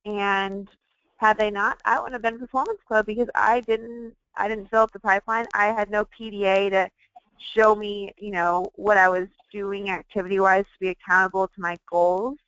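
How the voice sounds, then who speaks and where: A woman's voice: medium pitch, little pitch movement, moderate pace, fairly bright tone, clean tone, no room sound. A woman guest on a webinar telling her own sales story in a candid, informal, conversational way. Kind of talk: conversational personal testimonial. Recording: dull, lo-fi webinar audio.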